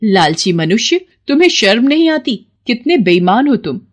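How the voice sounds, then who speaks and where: A stern goddess of a pond speaks with commanding authority, as a woman voices her. Her voice has a lively, swooping melody. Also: mid-range voice, a little slow. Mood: scolding. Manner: commanding, scolding.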